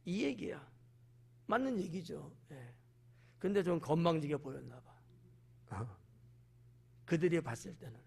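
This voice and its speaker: A male pastor preaching an evening sermon, explaining a Bible passage verse by verse and acting out the people in it in lively quoted voices. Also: a little high, a little slow, creaky, pauses often, breathy edge. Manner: animated, acts out quoted voices, talks directly to the congregation. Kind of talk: evening service sermon, expository Bible teaching.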